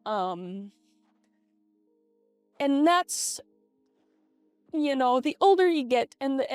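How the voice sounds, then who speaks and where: A middle-aged woman talking casually to her vlog audience through a voice changer, reflective and halting, with repeated false starts. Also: fairly high pitch, smooth, no echo, studio quality. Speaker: vlogger. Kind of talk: casual personal vlog monologue. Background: lo-fi video game music.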